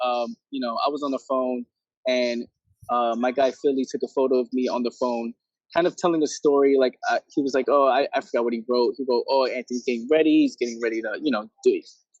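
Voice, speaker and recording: A man talks at a very fast pace. He speaks with a New York accent. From New York, the Bronx. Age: 20s. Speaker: entrepreneur. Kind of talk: podcast interview. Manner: energetic.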